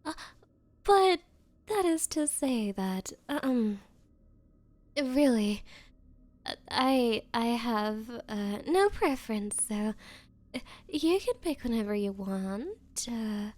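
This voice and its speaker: Woman acting a high-voiced, nervously clingy yandere girlfriend. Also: expressive, a little mellow, no room sound. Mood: eager, flustered. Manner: halting, flustered, breathy hesitations. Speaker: roleplay voice performer. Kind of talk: anime-style ASMR audio roleplay.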